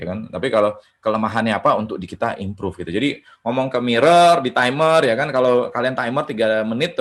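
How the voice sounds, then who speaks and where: A man's voice: mid-range voice, fairly bright tone. A man mentoring at an online hackathon, giving casual presentation advice. He keeps adding "ya kan" and "gitu" and slips English phrases into his sentences. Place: home setup for an online session. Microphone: video call.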